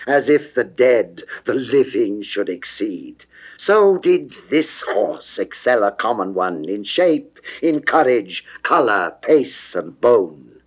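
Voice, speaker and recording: Slow, theatrical male verse narrator. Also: medium pitch. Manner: theatrical, declamatory, precisely phrased. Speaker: narrator, reader of poetry. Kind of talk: dramatic classical verse recitation.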